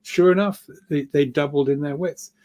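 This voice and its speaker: A man's voice: a little high, moderate pace, darkish tone. A man speaking as an interview guest, explaining at length in an earnest, enthusiastic way, often repeating words and restarting.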